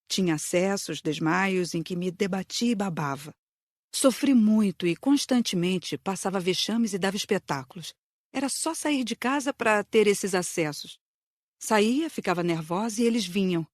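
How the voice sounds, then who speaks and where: A woman's voice: mid-range voice, dry recording, studio quality, natural voice. A woman playing a humble, devout female spirit in an audiobook drama, telling her story in a plaintive, confessional way.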